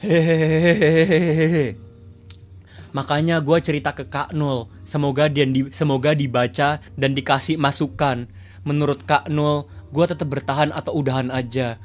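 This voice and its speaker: A man's voice: on the high side, steady tone, normal speed. A man streaming live, reading viewer confessions aloud in a chatty, teasing way. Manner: chatty, teasing asides to chat. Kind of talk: casual livestream reading.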